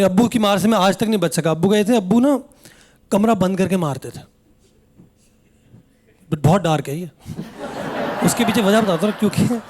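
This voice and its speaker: A young man doing stand-up on a comedy stage, and his voice sits high for a man. He tells family stories with animated delivery and briefly acts out his parents and relatives as he goes. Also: slight background noise. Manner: animated storytelling, acting out family members. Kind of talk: stand-up routine. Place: comedy stage before a live audience.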